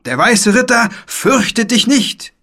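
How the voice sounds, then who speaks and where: A man's voice: extremely high pitch, drawn-out words, sharp tone, slightly rough, voice pushed up, full character voice. A man reading a storybook, voicing a tiny, belligerent white knight who bellows old-fashioned challenges. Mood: bellowing. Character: small boastful white knight, toy-sized, belligerent.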